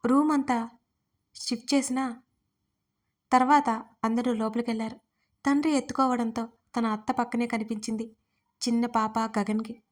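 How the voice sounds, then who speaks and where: A woman reading a family story aloud as the narrator, in a gentle storytelling manner. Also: on the high side.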